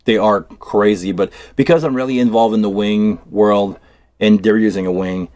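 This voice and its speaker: A fairly low, slightly mellow male voice with fairly even intonation and a moderate pace comes through in a dry, studio-quality recording. The speaker, a Quebec French native, casually hosts a tech livestream, rambling loosely while building a cable.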